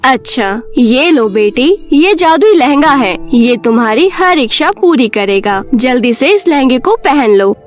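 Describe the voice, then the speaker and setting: Kind magic pond spirit, motherly and soothing, played by a woman; slow, gentle cartoon delivery over faint music. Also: high voice, expressive.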